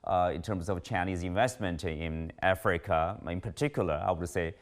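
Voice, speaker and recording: A man's voice: deep voice, moderate pace. A man hosting an interview, framing long questions with many fillers. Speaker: interview host.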